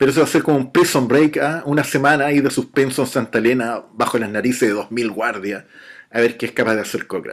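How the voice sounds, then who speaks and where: Speaking very fast, a man keeps to a medium pitch. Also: ordinary pitch variation. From Chile. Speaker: novelist. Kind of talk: interview.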